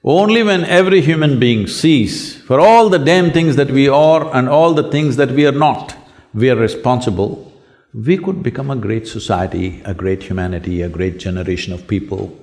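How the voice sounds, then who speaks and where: A hoarse man with an Indian English accent answering student questions in a public talk, asking rhetorical questions and inviting agreement. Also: medium pitch, moderate pace, a little mellow. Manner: rhetorical, asks the audience to agree. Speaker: spiritual speaker answering questions. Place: large lecture hall with an audience.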